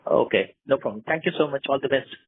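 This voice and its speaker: A man's voice: mid-range voice, fast talker, husky, no echo. A man calling in as a financial analyst, asking questions politely and a little hesitantly. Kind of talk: asking questions on an earnings conference call. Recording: narrow telephone line.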